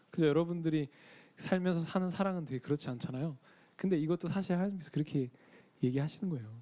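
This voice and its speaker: A young man gives a casual sermon in a church. His voice sits a little high. He talks in a chatty way, puts questions to the congregation and acts out the lines he quotes. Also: dark tone, low-quality recording. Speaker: preacher. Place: church sanctuary.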